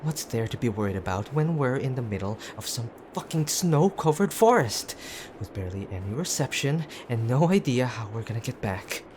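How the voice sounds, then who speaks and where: A man playing a gruff, teasing tsundere boyfriend who is frightened and tender underneath, in an intimate audio drama with brusque, halting urgency. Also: mid-range voice, lightly acted. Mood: irritated, worried. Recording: clear background ambient noise.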